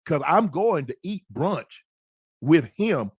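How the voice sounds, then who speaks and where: A man's voice: on the high side, sing-song, takes it slowly, breathy edge, dry recording. A man in his fifties telling a story casually as a podcast host, repeating phrases and calling out to his co-host for emphasis. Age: 50s.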